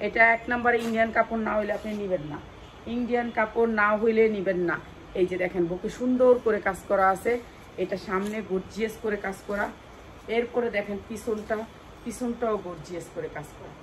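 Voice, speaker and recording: A woman with a Bangladeshi accent doing an insistent hard-sell live sales pitch for wholesale clothing, repeating key phrases and prices over and over. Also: brisk, a little hiss or hum, rough recording. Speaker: clothing wholesale seller presenting stock.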